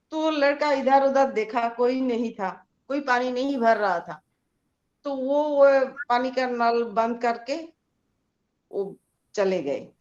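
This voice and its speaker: A woman telling a moral story to a team meeting in a slow, plain way with restarts. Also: sits high, muffled recording.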